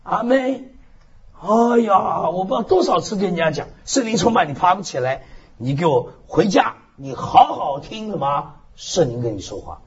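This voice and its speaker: A male pastor preaches with a high, lively voice that swoops up and down, punctuating his points with amen and hallelujah and dropping in the odd English word. The recording sounds slightly dull and lo-fi. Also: moderate pace, husky. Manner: animated preaching with frequent amens and hallelujahs; mixes English words into speech. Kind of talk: sermon.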